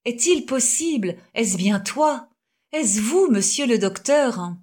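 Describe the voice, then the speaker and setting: A woman's voice: mid-range voice, a little slow, a little mellow, close to an everyday voice. A woman reading the lines of a shy, emotional middle-aged male schoolmaster in an audiobook, timid and hesitant. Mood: astonished.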